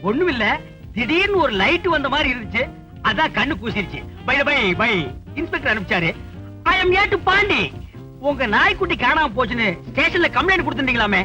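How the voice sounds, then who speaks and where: A man's voice: very high voice, very animated, fairly quick, bright, forceful tone, muffled recording, soft background music, heavily acted. An actor playing a vain, boastful village man posing as a head constable, who talks pompously and drops broken English into his lines. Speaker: comic actor in a film scene. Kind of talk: film comedy dialogue.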